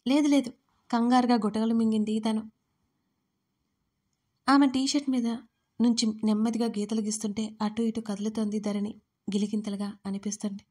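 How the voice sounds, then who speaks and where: Mellow-voiced woman narrating a story. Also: on the high side, level tone, normal speed, pauses often, breathy edge. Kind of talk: scripted audio-story narration.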